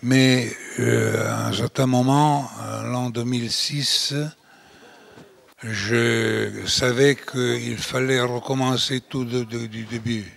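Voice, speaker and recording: A man's voice: mid-range voice, fairly even intonation, slow, creaky, fairly bright tone, dry recording. An older man from Italy speaking French with an Italian accent, giving a lecture with many fillers and restarts. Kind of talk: closing lecture.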